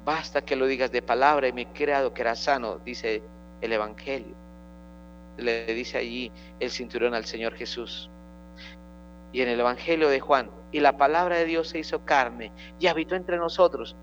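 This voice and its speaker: A man's voice: mid-range voice, fairly even intonation, normal speed, soft background music. A man speaks as a Catholic priest, preaching and leading prayers in a solemn manner. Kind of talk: homily and liturgical prayer. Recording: dull lo-fi sound with mains hum.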